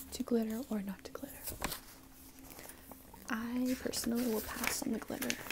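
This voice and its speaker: Against noticeable background noise, a woman speaks at a moderate pace, stopping often for long pauses. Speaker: ASMR creator. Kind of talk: ASMR whisper and soft-spoken talk. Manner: whispered, soft-spoken. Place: home room. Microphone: earbuds.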